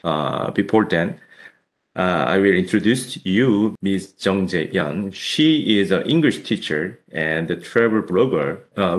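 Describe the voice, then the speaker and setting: A man, hosting and formally introducing a guest speaker, with hesitant fillers. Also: deep voice. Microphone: webcam on video call.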